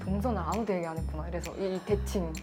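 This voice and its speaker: A young adult woman from Busan, a guest telling animated stories with frequent laughter. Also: fairly low pitch, fast. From Busan, South Korea. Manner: animated storyteller, laughs often. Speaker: guest actress. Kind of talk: casual chat. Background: background music.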